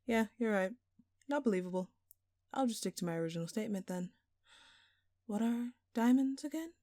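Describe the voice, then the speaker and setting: A woman's voice: fairly high pitch, lively intonation, normal speed, warm tone, no echo, studio quality, natural voice. A woman playing a smug, flirtatious jewel thief in an audio roleplay, teasing and theatrical, with playful sarcasm. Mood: feigned innocence. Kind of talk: intimate scripted audio roleplay.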